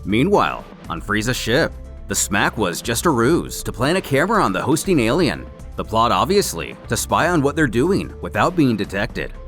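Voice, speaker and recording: A man's voice: mid-range voice, sing-song, normal speed, fairly bright tone, soft background music. A man narrating a scripted story recap as the storyteller. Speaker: narrator recapping a comic series.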